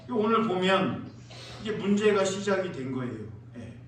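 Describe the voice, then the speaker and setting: A man preaching a sermon as pastor, telling lively stories and asking the congregation questions. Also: sits high, normal speed, slight background noise. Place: church sanctuary. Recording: echoey church hall, mic far off.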